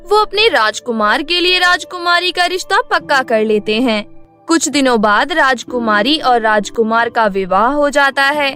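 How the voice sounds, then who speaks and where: A woman's voice: high-pitched, pushed and bright. A woman narrating a scripted children's cartoon story. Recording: music bed behind the voice.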